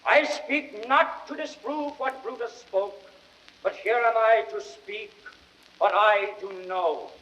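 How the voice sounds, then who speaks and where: An actor playing a grieving, slyly ironic Roman orator, delivering a measured, impassioned speech in classical Shakespearean radio-drama style. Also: male voice, high voice, pushed and bright, exaggerated voice. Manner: declamatory, measured, rhetorical. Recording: dull vintage record sound.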